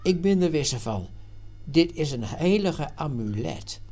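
A man reading aloud and voicing Jan, an adult man and worldly former trader who explains things earnestly and loudly. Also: fairly high pitch, expressive, measured pace.

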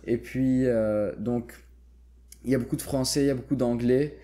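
A man's voice: medium pitch, steady tone, normal speed, dark tone. A young man from Lebanon speaking French with a light Lebanese accent, chatting thoughtfully with many small restarts. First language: Lebanese Arabic. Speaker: guest. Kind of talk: casual chat.

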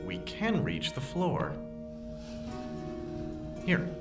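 A man's voice: a little high, huge pitch swings, drawn-out words, far from the mic, heavily acted. A man voicing a level-headed engineer who explains plans step by step in an audio drama. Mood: focused. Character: calm, practical male engineer on a station. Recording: echoey room, off-mic, music behind.

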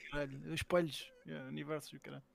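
A man's voice: on the high side, level tone, fast talker, vocal fry, no echo. A man with a European Portuguese accent, a podcast co-host bantering casually in blunt, sweary slang and often repeating himself.

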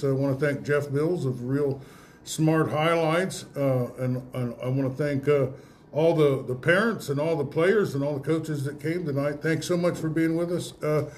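A man with an American accent hosting a casual live radio interview, chatty and joking, with halting delivery. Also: a little high, darkish tone, a little hiss or hum. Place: public venue used for a live broadcast.

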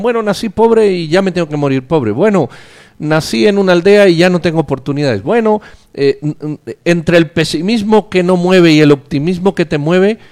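A man's voice: a little high, a little mellow. A man co-hosting an interview, asking a long, emphatic rhetorical question. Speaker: interview co-host.

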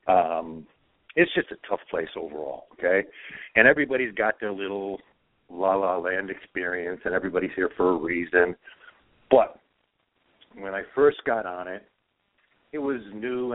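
A low-voiced Croatian guest offers forceful dating tips in a casual conversation, punctuating them with "okay?" again and again. The audio is dry and has a phone-like quality.

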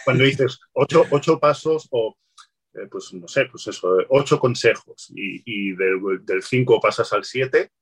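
A man speaking as an interview guest, explaining marketing tips in a relaxed, advice-giving way, often restarting his phrases. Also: medium pitch, a little slow, slightly rough, low-quality recording. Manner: explanatory, many restarts and "pues". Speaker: guest, LinkedIn sales consultant.

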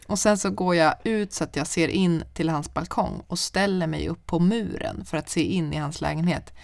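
Gravelly-voiced woman telling a story. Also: lowish voice, no room sound, studio quality. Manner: lively, swears often, laughs while telling. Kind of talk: casual storytelling chat.

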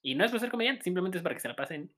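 A young man with a Mexican accent co-hosting a casual podcast, laughing often and talking in halting bursts full of fillers. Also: high-pitched, lively intonation, bright, forceful tone. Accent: Mexican Spanish. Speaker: podcast co-host. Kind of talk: casual chat.

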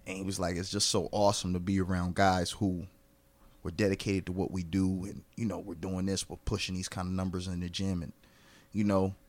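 A man who acts and lifts weights, a guest in a casual podcast chat, relaxed and swearing now and then. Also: low-pitched, fairly quick. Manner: relaxed, swears casually, retells friends' words.

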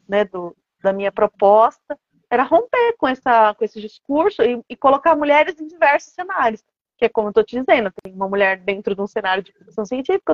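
A Brazilian woman with a fairly high voice talks as an author in an interview. She explains things earnestly and conversationally, often adding little check-in tags. The sound is roomy and echoey, and somewhat dull and lo-fi. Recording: echoey room, dull lo-fi audio.

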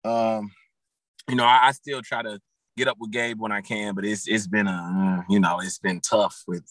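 Guy in his 30s chatting on a podcast, lots of ums and restarts, bright tone, dry sound. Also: on the low side, flat delivery, normal speed, dry recording, low-quality recording. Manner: rambling, many fillers and restarts. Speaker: guest, teacher and football coach. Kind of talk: casual podcast conversation.

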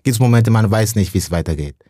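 A young adult man from Burundi, a stand-up comedian, talking casually and emotionally as a podcast guest, slangy and full of halting restarts. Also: lowish voice, warm tone, no room sound, studio quality. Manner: slangy, says "bro" often, halting restarts.

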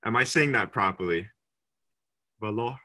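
A male interviewer with a low, husky voice that has a bright edge. He introduces his guest and asks questions in a friendly, encouraging way. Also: moderate pace. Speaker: podcast host, interviewer. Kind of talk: hosting an interview.

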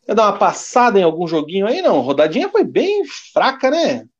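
Brazilian guy hosting a footy podcast, bit high voice, dull lo-fi audio, jokey. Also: very animated, fairly quick, slightly rough. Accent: Brazilian Portuguese. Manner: jokey, reads standings and listener comments. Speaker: podcast co-host. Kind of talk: casual sports chat.

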